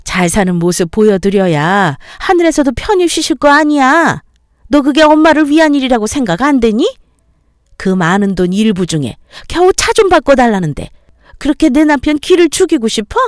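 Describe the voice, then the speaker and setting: Greedy nagging mother-in-law, a woman putting her on, lower voice, bone dry audio. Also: very animated, normal speed, no echo. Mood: scolding. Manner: nagging, condescending lecturing.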